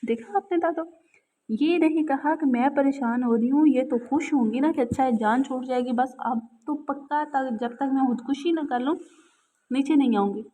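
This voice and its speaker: A woman's voice: high-pitched, normal speed, mellow. A woman doing a mischievous teasing girl. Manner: playful, melodramatic.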